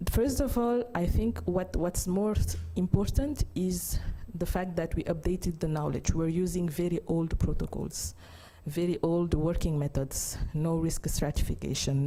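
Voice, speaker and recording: Low, mellow Senegalese woman. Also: poor audio. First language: French. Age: 30s. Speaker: pediatric oncologist giving a testimony. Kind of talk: conference testimony.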